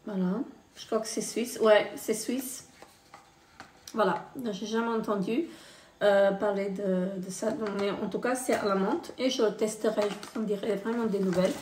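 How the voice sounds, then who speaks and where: A woman's voice: medium pitch, steady tone, moderate pace, darkish tone, recorded from a distance, a little hiss or hum. A woman casually unboxing beauty products, often hesitating and reading the product descriptions aloud. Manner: hesitant, many fillers, reads product blurbs aloud. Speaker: beauty box unboxing vlogger. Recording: roomy, a bit off-mic.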